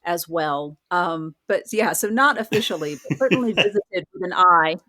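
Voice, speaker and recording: A woman's voice: on the low side, animated, moderate pace, pushed and bright. A woman speaking as an interview guest, explaining things in an informal, conversational way. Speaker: podcast guest, writer. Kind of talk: casual interview chat.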